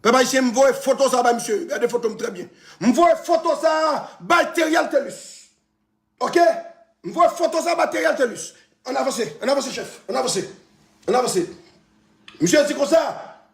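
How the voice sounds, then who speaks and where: A man with a Haitian accent, ranting loudly on a live stream, repeating phrases and laughing between shouts. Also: very high-pitched, normal speed, roomy sound. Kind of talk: heated live-stream rant.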